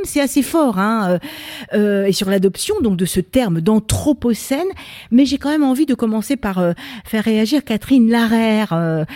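A woman's voice: fairly high pitch, darkish tone. A woman hosting a panel debate, speaking with frequent fillers and restarts. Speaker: debate host. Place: library event venue.

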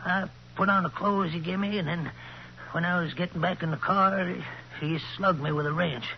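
A scared, slangy tramp pleads in a high voice, in 1940s radio drama style. The recording is dull and faintly noisy, with hum. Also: male voice, moderate pace. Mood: insistent. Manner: pleading, slangy uneducated speech. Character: scared gray-haired tramp protesting his innocence.

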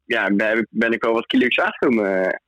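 A man's voice: lowish voice, normal speed, bright, forceful tone, no echo. A man in his thirties from the Netherlands, calling in to a radio show on the line, talking hesitantly with many filler sounds. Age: 30s. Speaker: caller.

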